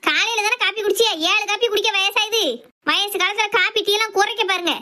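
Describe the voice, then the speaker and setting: A woman playing a sharp-tongued middle-aged housewife and strict mother, talking sarcastically. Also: extremely high pitch, fairly even intonation, fast. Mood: scolding. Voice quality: scolding, sarcastic. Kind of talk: comic family skit.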